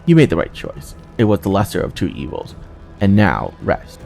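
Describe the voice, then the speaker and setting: A man's voice: deep voice, huge pitch swings, normal speed, creaky, a little mellow, heavily acted. A man voicing a cool, defiant female tribal hunter from a fantasy game, with a commanding manner. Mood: calm, assuring. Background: game music.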